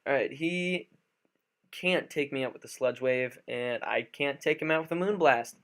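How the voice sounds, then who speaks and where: A freshly woken gaming commentator with a mid-range, fairly bright, slightly raspy voice talks at normal speed. His live play-by-play is full of fillers and false starts as he thinks out loud.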